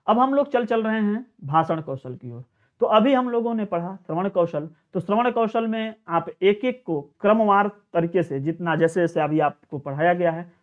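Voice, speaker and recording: Man, teacher, high voice, exam-prep lecture, tinny phone-like recording. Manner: slow chanting of verses; repeats and restarts phrases.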